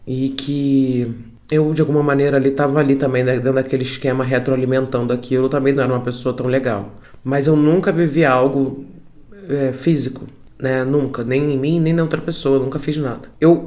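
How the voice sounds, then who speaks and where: A man's voice: mid-range voice, darkish tone. A man hosting the show who reacts to the story and reflects on it earnestly, speaking straight to his viewers. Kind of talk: reflective commentary.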